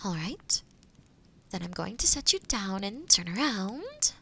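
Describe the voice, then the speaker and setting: A woman playing a kind, gentle forest witch in an audio roleplay, speaking softly and soothingly to the listener. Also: medium pitch, sing-song, unhurried, gravelly, husky, full character voice. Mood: gently reasoning. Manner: soothing, caring, softly breaking into whispers. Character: kind, gentle forest witch who loves helping others.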